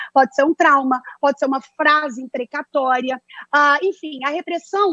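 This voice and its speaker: The sound is dry and close with no echo as a woman speaks at a moderate pace. Her pitch varies in an ordinary way. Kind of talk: lecture.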